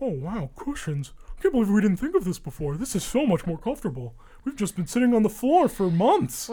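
In a put-on character voice that sounds female, the speaker goes fairly quick with a fairly high pitch and very wide pitch swings. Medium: actual play. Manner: meek, sheepish.

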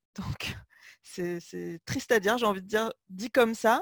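On a very clean recording with a silent background and a dry, close sound with no echo, a woman speaks at a fairly slow pace. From France, Limoges. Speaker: entrepreneur coach. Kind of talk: interview, casual chat. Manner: halting.

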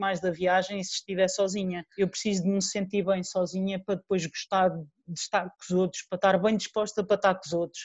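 Somewhat breathy and fairly quick, a woman speaks at a medium pitch with monotone, flat intonation. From Portugal, Figueira da Foz. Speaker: traveller and seasonal mountain hut worker. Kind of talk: interview testimony.

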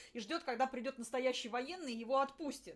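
Here a woman speaks with a high pitch. Her pitch varies in an ordinary way. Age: 50s. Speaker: interviewer, former corporate employee. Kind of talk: interview conversation.

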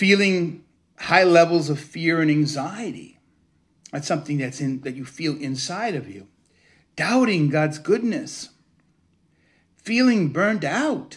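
A man talks at a fairly slow pace with lively intonation, long, frequent pauses and big swings in loudness. The background is quiet. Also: fairly high pitch for a man. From Cuba, moved to US as a child. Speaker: pastor. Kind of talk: sermon. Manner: halting, many fillers.

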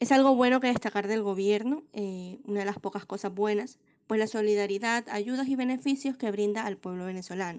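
Against a quiet background, a woman with an ordinary speaking voice talks with ordinary pitch variation and hardly any pauses. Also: fairly high pitch for a woman, fairly quick pace. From Caribbean Colombia, Barranquilla. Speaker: podcast guest. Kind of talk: conversational interview.

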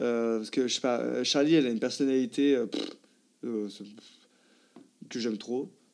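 A man talks at a medium pitch with ordinary pitch variation. He leaves long, frequent pauses. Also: moderate pace. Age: 20s. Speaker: art director. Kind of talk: casual chat. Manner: hesitant.

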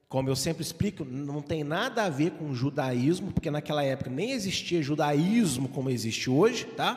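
This man's fairly high voice comes with noticeable background noise behind it. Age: 40s. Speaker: pastor. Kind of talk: sermon.

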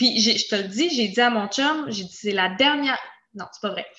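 A woman's fairly high, bright and sharp voice with lively intonation at a fairly slow pace. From Quebec. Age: 20s. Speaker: human relations coach, entrepreneur. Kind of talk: podcast interview.

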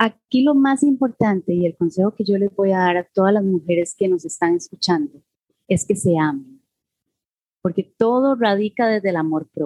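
With lively intonation and very even loudness, a woman speaks at a moderate pace in a dark, mellow tone. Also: medium pitch for a woman, dry, close sound with no echo. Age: 30s. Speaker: beauty pageant director and women's advocate. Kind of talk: casual interview.

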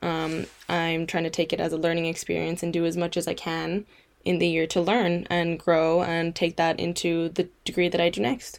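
A woman speaks with a fairly low pitch and monotone, flat intonation at a moderate pace. The recording is very clean with a silent background. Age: 20s. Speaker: university student. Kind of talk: casual chat.

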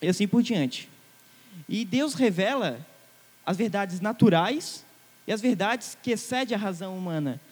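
High-pitched man at a fairly slow pace with ordinary pitch variation. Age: 20s. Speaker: lay catechist teaching a parish formation. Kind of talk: religious lecture. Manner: hesitant, many fillers.

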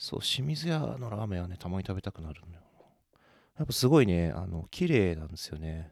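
Very deep and low, this man's voice moves through very wide pitch swings and big swings in loudness at a fairly quick pace. The recording is very clean, with a silent background. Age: 30s. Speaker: brewer and podcast host. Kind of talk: casual solo monologue.

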